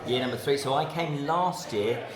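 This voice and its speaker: A man's voice: mid-range voice, moderate pace. A man interviewing an event organiser, enthusiastic and joking. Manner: enthusiastic, jokey. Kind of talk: casual interview chat. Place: busy reception area at a gaming event. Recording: echoey room with crowd behind.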